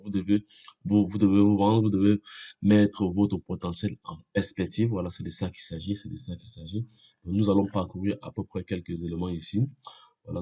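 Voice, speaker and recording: A man's voice: sits low, warm tone. A man with a head cold explaining an immigration program in a casual walkthrough, repeating himself and saying "voilà" often. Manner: repetitive, many fillers, frequent "voilà". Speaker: video creator giving immigration advice.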